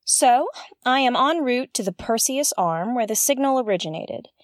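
Woman playing female mystery investigator, high-pitched, earnest, intense, audio drama narration, very dry recording. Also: animated, moderate pace, no room sound, lightly acted. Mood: determined. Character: earnest conspiracy-minded woman investigator hosting a mystery podcast. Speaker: podcast host.

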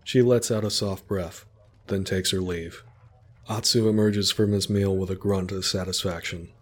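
A man narrating a story in a calm, descriptive way. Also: sits low, moderate pace, a little hiss or hum.

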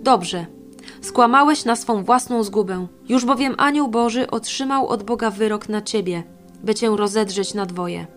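A woman reading the lines of a bold young man who judges and accuses, in a stern, even way. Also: mid-range voice, unhurried, faint music behind, natural voice.

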